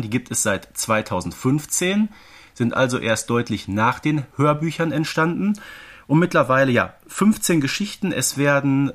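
A man's voice: mid-range voice, a bit bright. Explanatory middle-aged man, casual podcast talk. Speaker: podcast co-host. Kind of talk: casual discussion of audio dramas.

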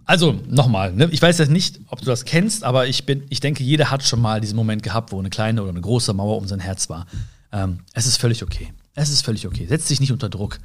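A man hosting a podcast, giving a gentle, encouraging self-help monologue straight to the listener and often tagging his sentences with a questioning "ja?". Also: mid-range voice, lively intonation, quick pace. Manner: tags sentences with "ja?" and "ne?". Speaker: podcast host.

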